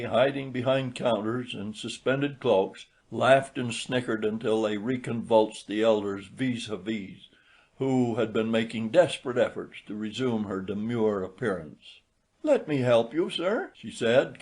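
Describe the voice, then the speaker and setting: A man's voice: lowish voice, steady tone, moderate pace, a little mellow, husky. A man narrating a literary short story as a scripted audiobook reading.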